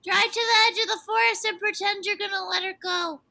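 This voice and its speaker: A woman's voice: very high voice, fairly even intonation, fairly quick, vocal fry, bright, forceful tone. A woman chatting in a playful, teasing way on a video call. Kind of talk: casual playful chat.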